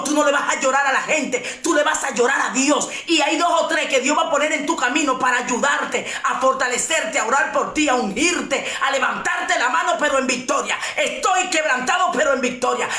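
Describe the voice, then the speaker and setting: A woman preaching a passionate sermon, often shouting and repeating her lines for emphasis. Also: sits high, roomy sound. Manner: impassioned, shouting preaching with repetitions. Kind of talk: fiery sermon.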